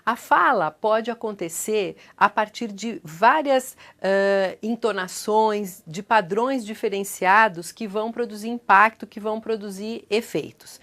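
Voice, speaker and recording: A woman teaches how to speak well, in the even, unhurried way of a speaking coach. She paces her phrases with deliberate pauses and a didactic, measured delivery, her pitch sitting in a middle range. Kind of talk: scripted lesson on speech delivery.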